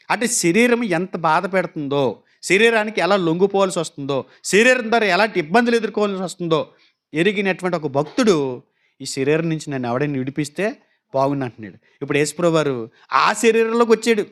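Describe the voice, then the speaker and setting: A man's voice: high-pitched, a bit bright. A man preaching a sermon, asking the congregation questions and acting out quoted voices in little stories. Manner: acts out quoted voices and anecdotes.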